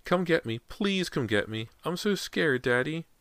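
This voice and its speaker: A man's voice: on the high side, animated, fairly bright tone, smooth, no echo, pitched above the performer's own voice. A man voicing a small frightened boy who pleads in a tiny, thin, plaintive voice in an audiobook story. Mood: frightened pleading. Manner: slow plaintive begging.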